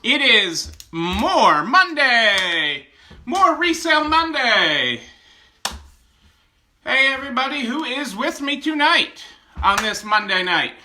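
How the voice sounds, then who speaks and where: A man from upstate New York hosts a casual livestream, calling out viewers one by one with a playful, joking manner. His voice sounds very bright and sharp, with a faint hiss of noise behind it. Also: very high voice, sing-song, slow. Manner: playful, jokey, reads out viewer names. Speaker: livestream host. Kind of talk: casual live chat greeting viewers.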